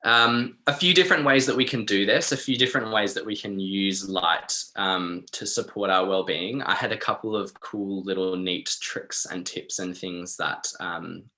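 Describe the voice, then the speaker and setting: A man with an Australian accent and a very low, bright-edged voice. He presents a wellbeing webinar informally, chatting in an encouraging way and softening his suggestions as he goes. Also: moderate pace, hardly any pauses.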